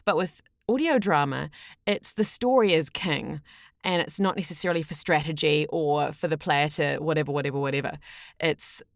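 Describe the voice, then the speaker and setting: Podcast guest, female, low voice, chatty explainer who rephrases as she goes, dry close sound. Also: normal speed, no room sound. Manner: chatty, explanatory, self-correcting. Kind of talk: casual interview talk.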